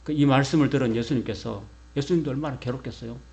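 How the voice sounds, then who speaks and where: A pastor preaches from the pulpit in a mid-range, darkish voice, speaking quickly. He fires questions at the congregation and answers them himself, leading a call-and-response. A faint electrical hum sits beneath his speech.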